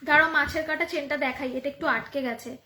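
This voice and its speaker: A high-pitched woman with a Bengali accent talks her viewers through one piece of jewellery after another, repeating each price in a chatty, friendly way. She is filmed on a phone at home, and her voice carries a roomy echo. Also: fast, bright, forceful tone, slight background noise. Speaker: online jewellery seller. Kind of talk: live selling stream. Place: home room. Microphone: phone camera. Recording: echoey room.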